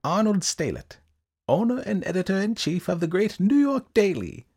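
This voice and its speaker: A man's voice: sits high, sing-song, normal speed, darkish tone, husky, pitched above the performer's own voice, heavily acted. A man voicing a menacing, self-satisfied, eccentric schemer in an audiobook, with formal, precise, clipped delivery. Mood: smug, boastful.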